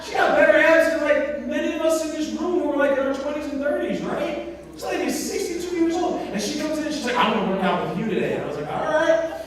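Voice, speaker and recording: Energetic man speaking in an echoey hall. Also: very high-pitched, fast talker. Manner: energetic, storytelling with asides. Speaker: motivational speaker. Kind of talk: live presentation to an audience. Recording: echoey hall, mic at a distance.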